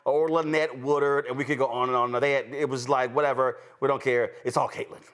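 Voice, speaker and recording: A man with a Texan accent hosting political commentary, emphatic, jumping between high exclamations and low asides. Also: flat delivery, a little fast, fairly bright tone. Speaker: host.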